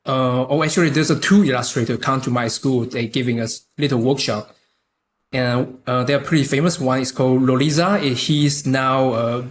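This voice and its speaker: A young man from Taiwan, a native Chinese speaker with a Taiwanese accent, chatting haltingly as a podcast guest with many restarts. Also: mid-range voice, fairly even intonation, a little hiss or hum. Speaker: podcast guest, concept artist. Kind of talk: casual interview chat.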